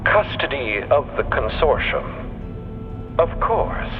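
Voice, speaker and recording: An actor playing a sly, sardonic male starship crewman in an audio drama, measured and mock-deferential, with dramatic pauses. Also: mid-range voice, big pitch swings. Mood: guarded, wry. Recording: tinny narrow-band sound under music.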